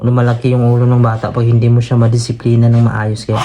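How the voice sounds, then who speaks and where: A man's voice: medium pitch, completely flat delivery, fast talker, mellow. Filipino man, casual vlogger and dad, talkative; noisy phone audio. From Philippines. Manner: chatty, addressing viewers as countrymen. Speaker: vlogger and father. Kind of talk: casual vlog talk to viewers. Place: snowy outdoors, then indoors at home.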